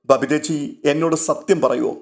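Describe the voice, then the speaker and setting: A man's voice: on the high side, fairly even intonation, moderate pace, lightly acted. Spoken novel: a resentful, suspicious young girl, read by a male narrator. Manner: resentful questioning.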